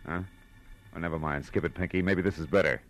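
An actor playing a wry, world-weary private detective in a 1940s radio drama, with a tough, clipped delivery. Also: male voice, low-pitched, fast talker. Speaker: lead actor and narrator.

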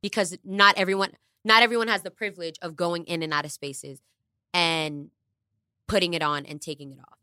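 A woman from the Bronx, New York, co-hosts a casual podcast chat in a low voice at normal speed. She's candid and animated, her voice rising and dropping in bursts, and the studio podcast mic captures a clean, dry, studio-quality sound.

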